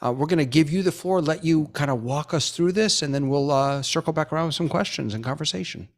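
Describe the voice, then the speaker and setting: A man's voice: fairly high pitch, fast talker. A man hosting a live webinar over a video call, chatty and upbeat with lots of fillers. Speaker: webinar host.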